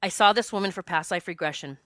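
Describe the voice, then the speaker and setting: A woman in her late forties hosting a solo podcast, talking in a chatty, expressive way and joking with her listeners. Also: lowish voice, quick pace, no echo. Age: 40s. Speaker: podcast host and psychic medium.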